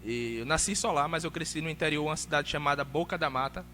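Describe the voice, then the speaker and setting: A man's voice: a little high, quick pace, bright, forceful tone, in a large hall, a little hiss or hum. A man with an accent from Alagoas in northeastern Brazil, preaching a sermon as a missionary, conversational at first and growing more emphatic. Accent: Alagoas Northeastern Brazilian Portuguese. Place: church sanctuary.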